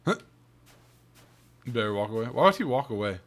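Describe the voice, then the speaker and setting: A man's voice: mid-range voice, very animated, a little fast, fairly bright tone. A man giving casual let's play commentary, muttering wry asides to himself as he goes. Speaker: gaming video host. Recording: game music behind the voice. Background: video game music.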